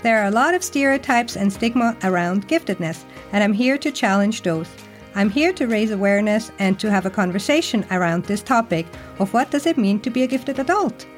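A woman's voice: mid-range voice, animated, brisk, faint music behind. A woman hosting a podcast in a bubbly, talkative way, introducing her show and her guest. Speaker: podcast host and coach.

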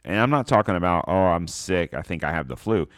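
A man's voice: sits low, lively intonation, a little fast, fairly bright tone, dry recording, studio quality. A man hosting a podcast, giving blunt, sarcastic political commentary in a rambling way with many fillers, a little stuffed up. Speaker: podcast host.

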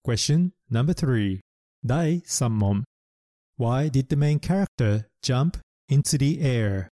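A man narrating a bilingual lesson, explaining English words slowly and spelling them out letter by letter. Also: medium pitch, lively intonation, mellow, dry recording, studio quality.

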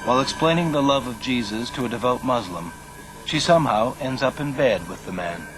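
A man giving deliberate documentary narration. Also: mid-range voice, animated, poor audio. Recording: archive documentary with music. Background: music.

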